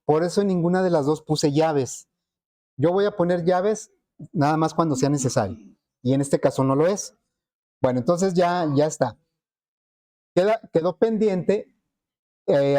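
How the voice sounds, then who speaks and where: A man's voice: fairly high pitch, dark tone. A man teaching a programming class, explaining step by step and asking the students rhetorical questions. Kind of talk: classroom lecture.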